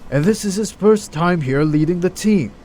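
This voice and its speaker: A man's voice: high voice, animated, moderate pace, warm tone, slight background noise. A man acting in an audio drama as a stern, indignant senior hospital doctor with a formal, reproachful manner.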